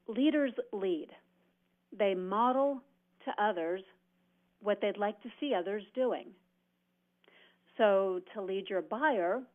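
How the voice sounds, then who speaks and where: A woman giving an instructional sales presentation in a motivational, emphatic way, delivering her points phrase by phrase. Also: mid-range voice. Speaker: sales trainer presenting cold calling tips. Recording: dull, band-limited audio.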